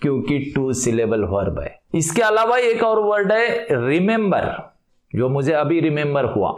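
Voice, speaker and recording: A man teaching English grammar, asking questions and answering them himself, stretching out example words slowly. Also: a little high, sing-song, reverberant. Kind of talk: explanatory lesson with questions to viewers.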